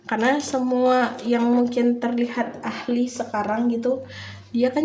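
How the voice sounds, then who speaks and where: Audible room echo colors speech that unfolds at a fairly slow pace. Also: woman. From East Java. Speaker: streamer drawing live. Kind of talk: casual live stream chat. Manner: casual, chatty.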